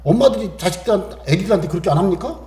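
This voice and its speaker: A man's voice: high voice, lively intonation, very fast, warm tone, reverberant. A man preaching a Sunday sermon, acting out prayers and dialogue. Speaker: pastor.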